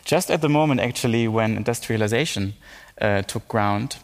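Low-voiced male panel moderator. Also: in a large hall. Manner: measured, asks guests questions. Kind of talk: panel discussion.

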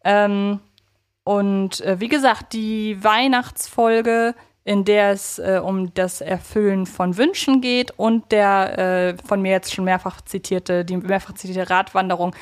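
A woman's voice: mid-range voice, fairly even intonation, a little slow. A woman with a German accent co-hosting a fan podcast, talking conversationally in a reflective, wordy way and correcting herself as she goes. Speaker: podcast co-host.

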